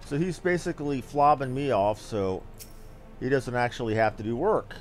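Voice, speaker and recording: A man's voice: medium pitch, normal speed, soft background music. A man giving casual live game commentary as a streamer, rambling and blunt with some mild swearing. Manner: rambling, blunt, mildly profane.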